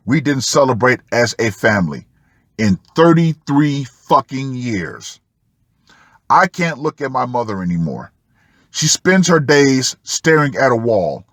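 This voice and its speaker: A man narrates a written personal account at a very slow pace. His delivery is dramatic and drawn out, with pauses between phrases. The sound is dry, with no room around the voice. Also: mid-range voice, a bit bright, dry recording. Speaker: host of a commentary channel. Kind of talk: reading a personal post aloud with asides.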